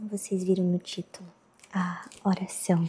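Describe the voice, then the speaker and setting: She has an ordinary speaking voice at a medium pitch for a woman. Her pace is fairly slow. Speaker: ASMR artist. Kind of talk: ASMR video introduction.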